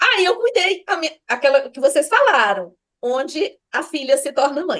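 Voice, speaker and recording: Speaking with a Minas Gerais accent at a moderate pace, a woman uses a high pitch with very wide pitch swings. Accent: Mineiro Brazilian Portuguese. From Minas Gerais, Brazil. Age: 60s. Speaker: university lecturer, community member. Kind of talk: personal testimony in live online class. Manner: halting, many fillers.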